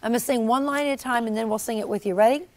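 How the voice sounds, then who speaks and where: A woman storyteller talking with young children in an encouraging, animated, teacherly way, asking questions and praising. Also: fairly high pitch, racing.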